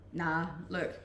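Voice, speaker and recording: A woman's voice: fairly low pitch, fairly bright tone, roomy sound, slight background noise. A woman from Denmark with a Danish accent, chatting casually on a live stream as she reads out viewer comments and answers them, laughing often. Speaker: Twitch streamer.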